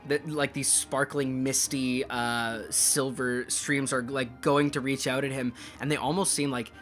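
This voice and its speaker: A man's voice: medium pitch, little pitch movement, a little slow, fairly bright tone, soft background music. A man narrating a tabletop game as game master, describing scenes loosely and filling gaps with "like". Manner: rambling, loose descriptions full of "like".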